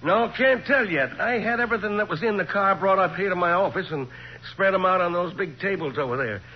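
An actor plays a genial Texas lawman in forties radio crime drama. His is folksy and colloquial, his voice rather high. The sound is dull with a faint hum. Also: fairly quick, natural voice. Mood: matter-of-fact. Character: genial small-town Texas sheriff, folksy man. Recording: muffled, hissy 1940s radio recording.

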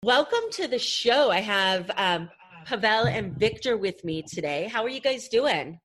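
A woman's voice: mid-range voice, sing-song, unhurried, a bit bright, rough recording. A woman hosting a podcast interview, asking friendly, chatty questions with some fillers. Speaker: podcast host. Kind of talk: casual interview chat.

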